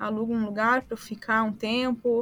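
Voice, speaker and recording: On a very clean recording with a silent background, a woman talks at a moderate pace in a fairly high pitch with an unremarkable speaking voice. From Brazil. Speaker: digital nomad, travel blogger. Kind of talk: interview.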